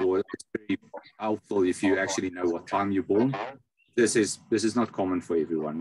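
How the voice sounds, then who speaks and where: A low-pitched man is being interviewed over a video call. He explains how he works in a halting way, often pausing in the middle of a phrase. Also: rough recording. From South Africa. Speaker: interview guest, astrologer and palm reader.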